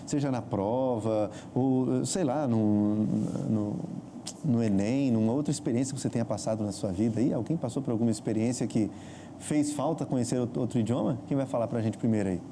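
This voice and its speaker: Deep mellow Brazilian talk show host. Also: slight background noise. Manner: encouraging, frequent backchannel "uhum", questioning. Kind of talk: studio talk show moderating.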